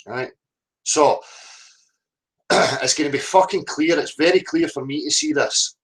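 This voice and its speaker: A man's voice: a little high, a bit bright, low-quality recording. A man with a Scottish accent delivering an impassioned, confrontational unscripted rant as a livestream host, blunt, insistent and heavily sweary. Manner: confrontational, insistent, tagging points with "right?".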